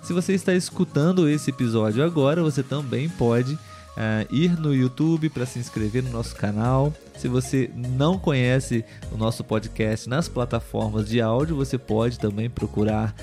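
A Brazilian man hosting a casual chat podcast for language learners, speaking clearly and in a friendly way. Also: mid-range voice, normal speed, dark tone, faint music behind. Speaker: podcast host.

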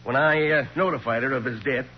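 An actor playing a folksy, cocksure small-town sheriff with blunt colloquial speech in a 1940s radio crime drama. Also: male voice, mid-range voice, fairly even intonation, a little fast, slightly rough, natural voice. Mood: folksy, confident. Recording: muffled, noisy 1940s radio recording.

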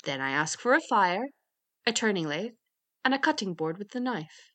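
A woman's voice: mid-range voice, big pitch swings, normal speed, a bit bright. A woman voicing a simple, stubborn, fearless young man in a fairy tale, speaking in a naive and emphatic way. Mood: earnest.

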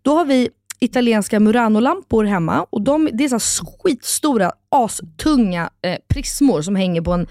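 Woman, thirties, fairly high voice, lively storyteller, swears casually, dry close recording. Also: hardly any pauses, no echo. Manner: animated storytelling, acts out quotes, swears casually. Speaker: podcast co-host. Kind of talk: casual chat.

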